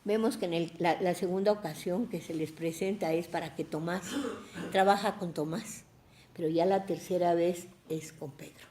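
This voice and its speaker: A woman's voice: fairly low pitch, fairly even intonation, moderate pace, dark tone, reverberant, a little hiss or hum. Fervent Mexican woman teaching Bible study. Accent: Mexican Spanish. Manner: fervent, emotional, exclamatory preaching. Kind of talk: church Bible study with personal testimony. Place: church hall.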